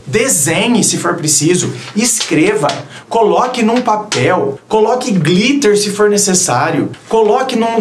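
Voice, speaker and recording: High-voiced Brazilian man giving blunt advice. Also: roomy sound. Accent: Brazilian Portuguese. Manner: blunt, teasing, acts out quoted voices. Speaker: relationship advice youtuber. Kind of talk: casual advice monologue.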